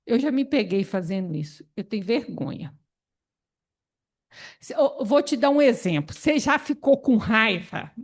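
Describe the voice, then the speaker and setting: A woman, leading a spiritist study group in an animated, expressive way. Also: a little high, normal speed. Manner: animated, expressive, laughs often. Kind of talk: spiritist Bible study talk.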